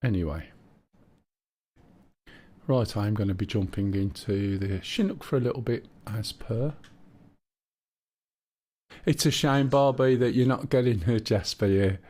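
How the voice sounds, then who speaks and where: A man's voice: lowish voice, a little slow, pauses often, a little mellow. A man with a Black Country accent chatting casually while live-streaming a flight game and reading viewer chat aloud.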